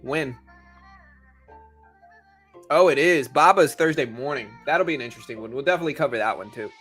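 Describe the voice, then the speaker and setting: A man's voice: medium pitch, brisk, fairly bright tone, breathy edge, faint music behind. A man hosting a livestream, chatting casually and informally, speaking directly to his viewers. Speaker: livestream host.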